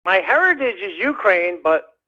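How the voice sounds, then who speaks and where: A man calling in to a radio show, rambling in a halting way with many fillers and restarts. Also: high-pitched, sing-song, sharp tone. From United States. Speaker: caller. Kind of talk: rambling call-in chat. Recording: dull lo-fi phone call.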